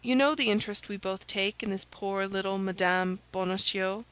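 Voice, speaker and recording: A woman voicing a gallant young gentleman soldier in a storybook, commanding and reassuring. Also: medium pitch, normal speed, smooth, lightly acted, poor audio. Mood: earnest, commanding.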